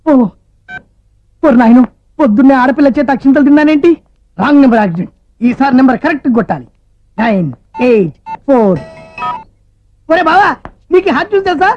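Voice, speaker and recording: A man playing a loud, excitable, blundering young comic sidekick in a film comedy scene, talking in a rapid clowning rush. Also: very high voice, dull audio, faint music behind. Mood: excited.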